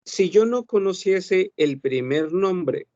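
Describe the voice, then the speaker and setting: A man's voice: sits high, lively intonation, takes it slowly, a little mellow, no echo, lo-fi sound. A man teaching an online French class, explaining patiently with rhetorical questions and frequent self-corrections.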